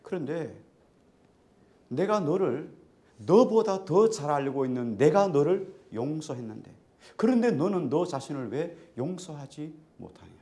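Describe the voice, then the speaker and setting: A male pastor voicing God as a stern, mighty male voice that rebukes slowly and emphatically. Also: mid-range voice, lively intonation, lightly acted. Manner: slow, emphatic, loud rebukes.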